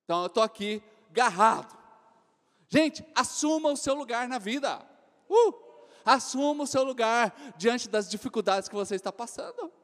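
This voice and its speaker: A woman pastor preaching a lively, folksy sermon, animated and full of acted quotes, in a church. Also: on the high side, normal speed. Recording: long church hall reverb.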